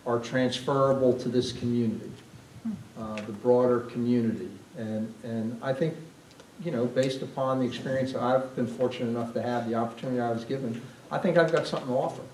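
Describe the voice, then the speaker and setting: Older man, halting, in an echoey room. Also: mid-range voice, darkish tone. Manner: halting, many restarts and repeated words. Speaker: retired downtown development president. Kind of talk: panel discussion answering questions. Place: library event room with audience. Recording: roomy, distant mic, faint hiss.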